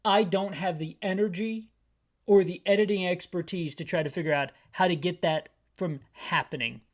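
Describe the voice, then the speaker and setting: At a moderate pace and with a high voice, a thirty-something gaming YouTuber walks listeners through a video game. The commentary wanders, bursts with hyper energy and leans self-deprecating.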